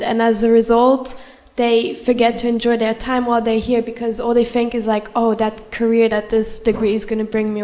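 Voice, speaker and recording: A female student asking a prepared question at a public talk, speaking in a measured way with filler ums. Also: on the high side, darkish tone.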